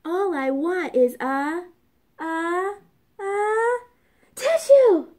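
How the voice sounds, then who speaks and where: A woman's voice: very slow, a little mellow, heavily acted. A woman voicing a sniffling male wolf with a bad cold, pleading in a whiny, teary voice. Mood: sniffly pleading. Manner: whiny, teary pleading that rises to a high wail.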